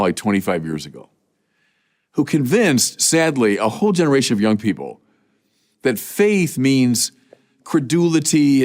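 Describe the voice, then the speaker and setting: Man, bishop, sermon, emphatic rhetorical delivery, animated pitch, middle-aged. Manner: emphatic, rhetorical preaching with repetitions.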